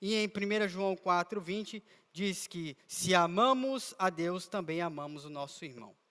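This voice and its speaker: A man speaks at a high pitch with a bright, sharp tone. His pace is fairly slow, with ordinary pitch variation. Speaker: preacher. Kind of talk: sermon.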